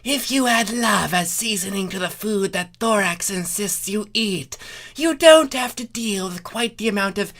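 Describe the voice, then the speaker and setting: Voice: mid-range voice, a little slow, a bit bright, pitched above the performer's own voice. A reader voicing a villainous female changeling queen in a comic fan fiction reading, theatrical, hissing and swinging between sweetness and menace. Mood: sly. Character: scheming villainous changeling queen, theatrically wicked, female insect-pony creature.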